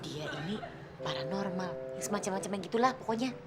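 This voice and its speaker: A woman's voice: mid-range voice, lively intonation, quick pace, very noisy, close to an everyday voice. An actress playing a sassy, sceptical woman with a Jakarta accent, bantering casually in a sitcom. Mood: sceptical, kindly.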